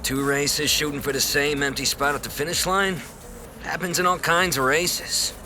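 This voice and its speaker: A man's voice: fairly high pitch, fairly even intonation, moderate pace, over music, close to an everyday voice. An actor playing a fatherly male race boss, concerned yet firm, in an audio drama. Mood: apologetic, firm. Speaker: race organizer.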